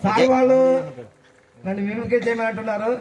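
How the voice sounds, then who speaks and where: Male former student, high voice, off-mic, fond reunion speech addressing listeners as "sir". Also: fairly even intonation, far from the mic, a loud crowd, poor audio. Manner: addresses listeners as "sir", recites verse slowly. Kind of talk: speech at a reunion, reminiscing and mimicry.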